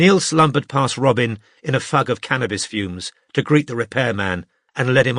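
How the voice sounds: The speaker uses a natural reading voice with lively intonation. The background is quiet.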